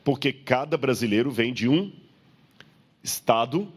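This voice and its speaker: A man with a Brazilian accent speaks at a medium pitch, teaching scripture and history as an expository sermon. His delivery is explanatory and didactic. He often turns to his listeners with rhetorical questions and small checks for understanding. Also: animated, a little slow, slightly rough. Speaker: preacher teaching Bible history. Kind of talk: expository sermon lecture to a congregation.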